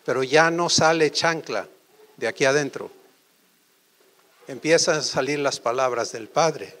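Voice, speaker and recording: A man preaching a sermon, asking the congregation quick questions. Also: medium pitch. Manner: animated, quizzes the audience with quick questions.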